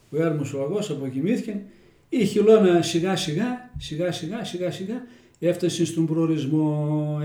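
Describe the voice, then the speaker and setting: A man with a Kozani accent telling village folk tales in a homely, folksy way. His voice is mellow and dark, a little higher than usual for a man. The room is roomy and echoey. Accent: Kozani Greek dialect. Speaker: storyteller interviewee.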